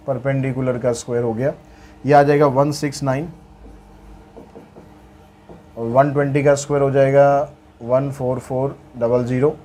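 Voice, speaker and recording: A man's voice: fairly high pitch, a little mellow. A man teaching maths, walking through worked problems in a chatty way with asides and jokes. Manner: chatty, mixes English terms into speech, light jokes.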